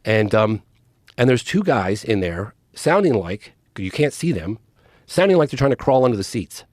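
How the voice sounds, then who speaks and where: Middle-aged male storyteller, lively up-and-down delivery, dry close mic, acts out the voices in his tale. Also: on the low side, moderate pace, no echo. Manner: animated, acts out quoted dialogue. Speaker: documentary filmmaker guest. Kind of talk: casual storytelling in a podcast interview.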